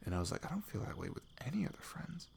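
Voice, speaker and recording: A man playing a sweet, nervous young best friend in an intimate ASMR roleplay, speaking haltingly with a husky, breathy voice that drops toward whispers. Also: fairly high pitch, sing-song, darkish tone, full character voice. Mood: nervous, tender. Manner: hesitant, halting, slipping into whispers.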